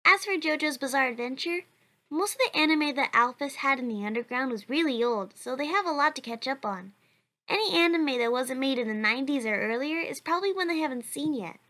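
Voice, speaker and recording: A woman's voice: high voice, animated, brisk, bright, forceful tone. A woman voicing a kind, cheerful, determined young child in a cartoon comic dub, with an earnest, chatty manner. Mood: upbeat, chatty.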